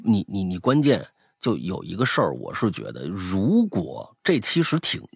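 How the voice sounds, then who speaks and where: A man's voice: low-pitched, huge pitch swings, normal speed, vocal fry, breathy edge, no echo, studio quality. A man hosting a podcast, chatting casually and reading out listener stories, rambling with many restarts. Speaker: podcast host.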